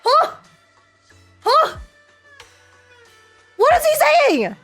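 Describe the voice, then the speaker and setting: A woman streamer giving animated, dramatic live reactions to a game, exclaiming as she goes, with game music behind her. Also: very high-pitched, drawn-out words. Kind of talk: live reaction commentary, reading game text aloud. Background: video game music.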